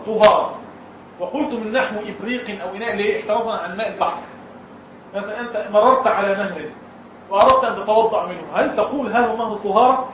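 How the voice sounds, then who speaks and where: Lecturer, male, higher pitch, recorded far off with a muffled sound. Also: fast talker, background noise. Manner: asks students questions and answers them himself. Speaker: Islamic law teacher. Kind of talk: classroom lesson. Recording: echoey room, far from the mic, dull and muffled.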